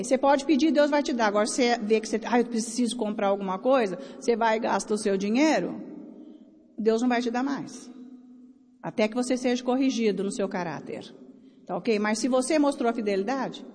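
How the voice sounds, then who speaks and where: A woman's voice: fairly high pitch, brisk, warm tone. A Brazilian woman preaching a sermon to a conference crowd, blunt and exhorting. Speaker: preacher raising offerings at a conference. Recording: long hall reverb.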